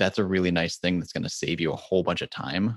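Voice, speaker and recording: A man talks at a fairly quick pace against a quiet background. His very deep, low voice carries vocal fry. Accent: American. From Connecticut. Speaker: data consultant. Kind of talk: casual interview.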